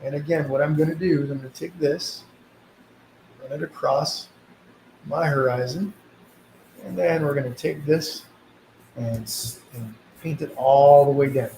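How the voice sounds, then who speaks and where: In an unhurried, fairly high, gravelly voice with a warm tone, a painting instructor hosts a casual live session, pausing often. Mild-cold sniffles come through, but his manner stays easygoing and reassuring. The audio is echoey with some background noise.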